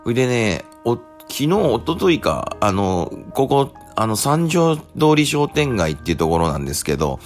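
A man hosting a casual radio segment, telling relaxed stories with plenty of fillers. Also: mid-range voice, moderate pace, hardly any pauses, soft background music. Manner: chatty, relaxed storytelling with many fillers. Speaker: radio host and rakugo storyteller. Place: Japan.

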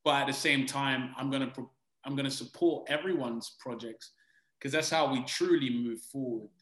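A man's voice: mid-range voice, moderate pace, fairly bright tone. Earnest British man in an echoey room. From Britain. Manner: earnest and reflective, with hesitant restarts. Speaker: actor, interview guest. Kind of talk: conversational interview answers.

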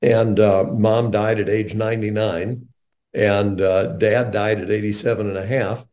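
Earnest older male radio host, mellow tone. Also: on the low side, a little slow. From North Carolina, USA. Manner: earnest, animated storyteller.

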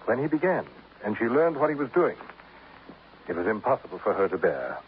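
A man's voice: mid-range voice, very animated, brisk, lightly acted. An actor playing a pompous, grandiloquent male poet in a 1950s radio drama, speaking in a formal, self-admiring way. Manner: grandiloquent, formal, addresses others as sir. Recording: tinny, hissy old radio broadcast.

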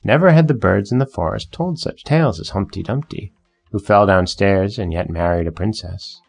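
A man narrating a fairy tale in a measured, gentle storytelling manner. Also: lowish voice, gravelly, husky.

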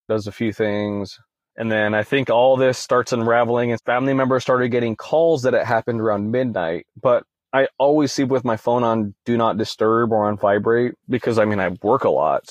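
A man's voice: mid-range voice, no room sound. A young man speaking as a guest in a casual interview, retelling events conversationally and leaning on "you know" fillers. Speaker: podcast guest.

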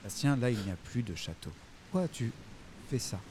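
Man acting an earnest, pedantic father, animated pitch. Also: a little fast, a little hiss or hum, lightly acted. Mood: measured concern. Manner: formal, therapist-like questioning. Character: earnest, pedantic father preaching calm, barely composed. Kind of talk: improvised audio comedy sketch.

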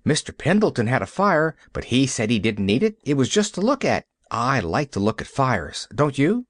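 An eager little girl chatters on in a bright, hopeful rush, as a man raises his voice to play her. Her lines lift higher than the storyteller's own and bounce with lively rises and falls. The sound is dry and close, like a quiet audiobook read. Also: no echo. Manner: earnest, hopeful, rushing chatter.

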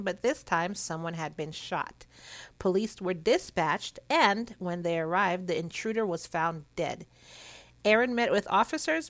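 A woman's voice: lowish voice, a bit bright. A woman hosting a podcast, chatting casually and telling true-crime stories, talking with slightly clenched teeth because of a sore cheek. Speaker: podcast host.

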